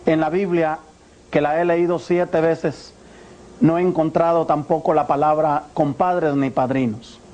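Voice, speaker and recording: A man in his forties with a Guatemalan Spanish accent, giving a religious testimony in an earnest, measured way. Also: fairly high pitch, darkish tone, muffled recording. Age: 40s. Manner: earnest, measured, preacher-like address. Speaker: former priest giving testimony.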